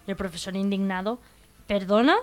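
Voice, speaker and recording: A woman co-hosting a radio comedy show, telling jokes in an unhurried way and laughing easily. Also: a little high, a bit bright, smooth.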